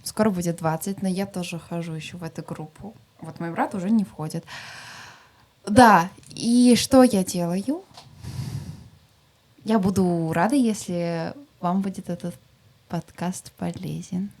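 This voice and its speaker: A woman's voice: lowish voice, a little slow, a little mellow. A nineteen-year-old woman as a podcast guest, speaking hesitantly with many fillers. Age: young adult. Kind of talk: casual group podcast chat.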